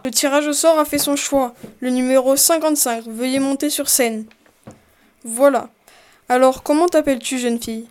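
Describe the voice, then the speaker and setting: A woman voicing a menacing man dressed in white who leads a village lottery. He speaks in loud, commanding announcements. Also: high voice, fairly even intonation, normal speed, natural voice. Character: menacing man in white, adult male, cold village official.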